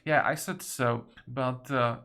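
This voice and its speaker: Grumpy game witch lady, gravelly and curt, mid pitch, a guy reading her lines. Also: fairly even intonation, slow, sharp tone, full character voice. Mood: annoyed. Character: grumpy crooked-hut female witch, dismissive.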